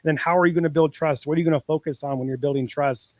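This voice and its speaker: A man's voice: a little high, fairly even intonation, very fast, dry recording. A man co-hosting a business podcast in casual, upbeat chat, encouraging and chuckling often, on a close mic. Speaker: podcast co-host.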